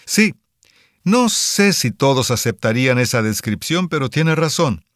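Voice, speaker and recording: A man's voice: medium pitch, very animated, unhurried, a bit bright, no room sound, clean studio sound. A man playing a modest Cuban-born toy boss. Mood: earnest. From Cuba. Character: earnest male immigrant toy company boss. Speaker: toy company president. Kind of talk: scripted listening-exam dialogue.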